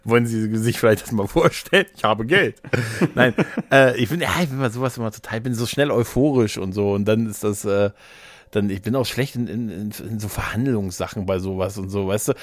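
A man's voice: lowish voice, fairly quick, no echo. A middle-aged man chatting casually as a podcast host, telling anecdotes and acting out what people said. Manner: animated storyteller, acts out quotes.

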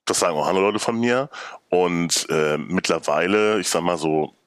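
A man's voice: sits low, normal speed, clear, resonant tone, no echo, studio quality. A man in his thirties chatting casually as a podcast guest. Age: 30s. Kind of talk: casual chat.

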